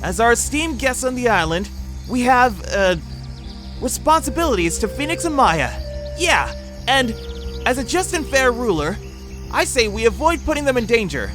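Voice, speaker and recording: Man voicing a lively, high-pitched big friendly ape. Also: normal speed, soft background music, full character voice. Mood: earnest. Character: big good-natured male ape, island ruler. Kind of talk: fan audio drama acting.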